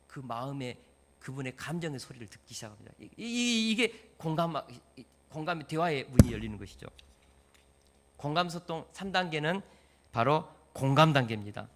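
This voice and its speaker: Male pastor, sermon delivery, bright and slightly high, lively, acts out example lines. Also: brisk, slight background noise. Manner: lively, asks the congregation questions and acts out example dialogues.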